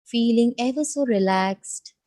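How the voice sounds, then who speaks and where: Slow, mellow woman guiding meditation. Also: a little high. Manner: gentle, soothing instruction with long pauses. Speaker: guided meditation leader. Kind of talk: guided meditation.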